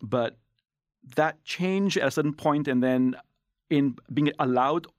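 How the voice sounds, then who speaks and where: A man from Singapore, an anthropologist, giving thoughtful, measured answers in an interview. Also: fairly high pitch, dry recording, studio quality. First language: English. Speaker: guest, anthropologist. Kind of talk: reflective interview talk.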